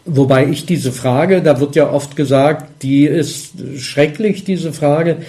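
Man, interviewer, slow and measured delivery, thoughtful, slightly high voice. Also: dark tone. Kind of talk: casual interview talk.

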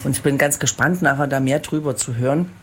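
Lively podcast host. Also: medium pitch, slight background noise. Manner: lively, quick, asks questions. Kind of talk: casual chat.

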